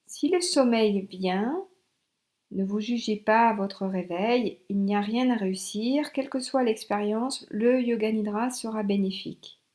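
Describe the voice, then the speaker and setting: A woman instructor leading a guided yoga relaxation in short instructional phrases with pauses. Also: mid-range voice, darkish tone.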